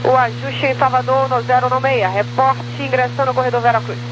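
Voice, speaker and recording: A woman's voice: sits high, little pitch movement, a little fast, lo-fi sound. A Brazilian woman working as an air traffic controller, issuing clipped instructions over a crackly, military-style aviation radio. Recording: humming, noisy crackly radio transmission.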